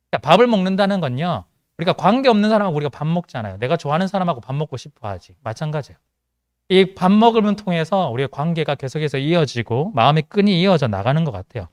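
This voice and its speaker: A man's voice: on the high side, no echo, studio quality. A male pastor with a mild Gyeongsang accent, giving a conversational sermon with joking asides. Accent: mild Gyeongsang Korean. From Gyeongsang region of South Korea. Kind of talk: sermon to a young adults' congregation.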